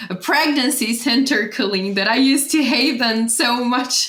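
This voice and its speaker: A woman with a Brazilian Portuguese accent, bright and sharp in tone, at a very slow pace with ordinary pitch variation. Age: 30s. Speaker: former activist turned pro-life speaker. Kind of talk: interview testimony. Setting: podcast interview. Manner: halting, with fillers and self-corrections.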